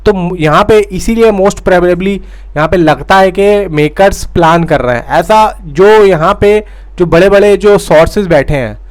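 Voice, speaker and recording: A man's voice: high voice, measured pace. A young man giving a casual, insistent film news update to his viewers, repeating himself and calling them brothers and friends. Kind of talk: casual direct-to-camera update.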